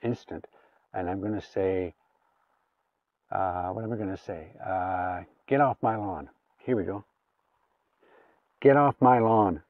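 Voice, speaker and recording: A man's voice: sits low, slow, pauses often, no room sound, distant mic. A man giving a casual hands-on gadget demonstration, talking through each step aloud in an informal way. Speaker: gadget reviewer. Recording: phone-like, thin sound, off the mic.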